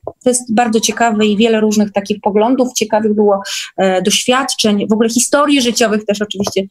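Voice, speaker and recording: A woman's voice: medium pitch, fairly even intonation, a little fast, darkish tone, rough recording. A woman chatting casually as a guest in an online meeting, often checking for agreement.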